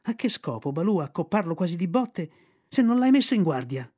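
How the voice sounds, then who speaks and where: Man playing a furious she-panther, growling scolding, mellow voice, storybook. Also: high-pitched, sing-song, a little fast, husky, full character voice. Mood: angry scolding.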